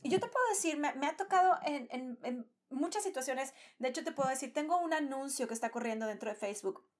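Woman, high voice, podcast host, motivational talk, emphatic, rhetorical questions. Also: animated, fast. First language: not Spanish.

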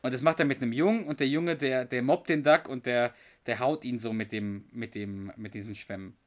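A man co-hosts a casual podcast chat in a middle-pitched, ordinary voice. He retells scenes at length, slipping into quoted lines. He sometimes stalls and hunts for words. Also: steady tone, a little fast. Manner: narrates scenes at length, quoting characters, with hesitations. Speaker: podcast co-host.

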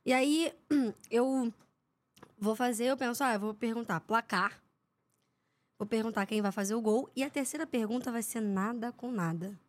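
A woman's voice: fairly high pitch, moderate pace. A young woman, a sports reporter telling anecdotes as a podcast guest and acting out what people said. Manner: lively storyteller who acts out the quotes of people in her stories.

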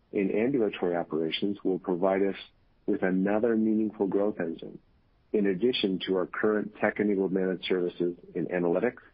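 Over a narrow, muffled telephone connection, a man delivers scripted financial remarks as a company executive. His voice sits fairly low and is somewhat husky. He reads in a formal, measured manner. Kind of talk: scripted earnings call remarks. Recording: tinny, muffled phone conference line.

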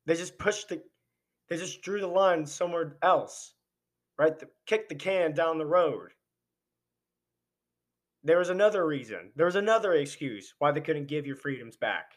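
A man delivers a heated solo commentary, firing off rhetorical questions in a voice pitched slightly above the usual male range. His voice is worn and hoarse because he is losing it. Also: animated, normal speed, long pauses. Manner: impassioned, ranting, rhetorical questions. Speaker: podcast host. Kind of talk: opinionated political commentary monologue.

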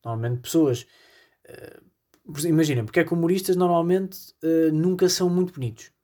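A man's voice: fairly high pitch, fairly quick, warm tone. A man with a European Portuguese accent hosting a solo comedy podcast, rambling in a self-deprecating way with constant fillers. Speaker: podcast host.

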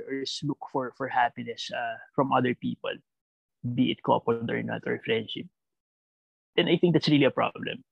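Filipino male, Taglish, gravelly fry, halting reflective conversational delivery, slightly dull recording. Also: fairly high pitch, no room sound. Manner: halting, repeats words while thinking aloud. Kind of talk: reflective conversational interview answer in Taglish, mixing Tagalog and English.

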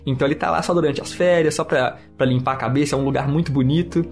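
Enthusiastic Brazilian man, lightly raised pitch. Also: fairly even intonation, quick pace. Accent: Brazilian Portuguese. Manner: enthusiastic, slangy. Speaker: podcast host. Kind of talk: casual game review chat. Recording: music behind the voice.

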